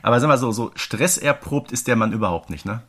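A man with a mid-pitched voice co-hosts a fan podcast. He speaks informally and conversationally, discussing an audio drama series. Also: animated, quick pace, fairly bright tone. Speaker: podcast co-host.

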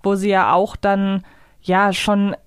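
A woman's voice: mid-range voice, flat delivery, slow pace, smooth, no room sound, studio quality. A woman co-hosting a podcast, discussing a favourite story casually and analytically. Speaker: podcast co-host.

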